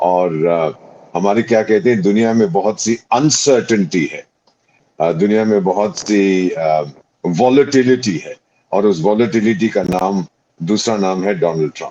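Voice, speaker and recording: A man speaks with a dark, mellow tone. His pitch is fairly low, with ordinary pitch variation. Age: 70s. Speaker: retired diplomat. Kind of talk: interview.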